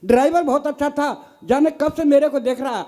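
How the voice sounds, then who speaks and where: A man's voice: extremely high pitch, normal speed, dark tone. An older man, a comic poet telling teasing folksy stories on stage. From Bharatpur district, Rajasthan. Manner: folksy, teasing storyteller, addresses audience as sahib. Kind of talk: stand-up comic poetry recital. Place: live poets' gathering stage.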